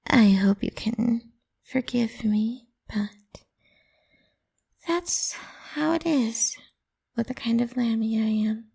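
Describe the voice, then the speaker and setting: A woman's voice: a little high, slow pace, long pauses, full character voice. Woman playing a whispery, possessive lamia girl. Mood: sheepish. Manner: coaxing, teasing, soft and breathy. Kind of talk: whispered ASMR roleplay.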